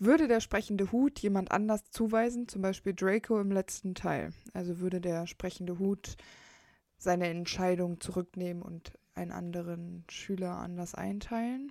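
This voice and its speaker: A woman's medium-pitched voice, dark and mellow, at a moderate pace with ordinary pitch variation, in a very clean recording with a silent background. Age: 20s. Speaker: podcast co-host. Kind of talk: casual chat.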